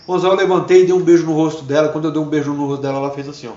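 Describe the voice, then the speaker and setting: A male pastor preaches a fervent, emotional testimony in a fairly high voice. He sounds far from the mic, his words ring through a roomy, echoing space, and the recording is dull and muffled. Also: flat delivery, racing, dark tone. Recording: distant, echoey, dull.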